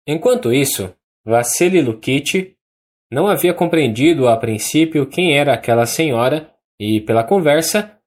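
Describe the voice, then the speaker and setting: Mellow Brazilian audiobook narrator. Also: mid-range voice. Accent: Brazilian Portuguese. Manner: measured, even reading with small restarts. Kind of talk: scripted literary narration.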